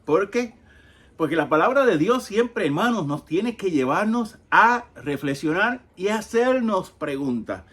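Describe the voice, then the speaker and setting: A man in his fifties, a Catholic catechist, teaching on a Bible reading in a conversational way, pausing often and asking rhetorical questions. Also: on the high side, fairly bright tone, breathy edge.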